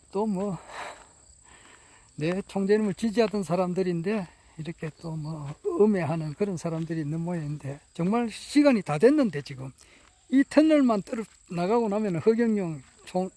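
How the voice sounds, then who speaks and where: A man's voice: sits high, mellow. A man talking in a casual, rambling monologue. He chuckles often and speaks in a folksy, earnest way. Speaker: political supporter speaking to camera.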